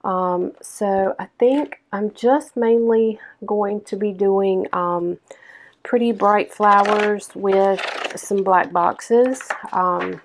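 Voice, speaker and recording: A young woman with a hoarse, stuffed-up voice chatting casually through a planner-decorating vlog. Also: mid-range voice, a little hiss or hum. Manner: chatty, lots of ums, unhurried. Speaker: planner vlogger. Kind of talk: casual plan-with-me narration.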